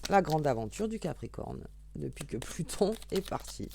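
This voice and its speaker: A woman's voice: low voice, very animated, normal speed, creaky, background noise. A woman giving a casual, chatty card reading, thinking aloud with fillers and restarts while she draws cards. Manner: shuffling and drawing cards while talking. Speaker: tarot reader.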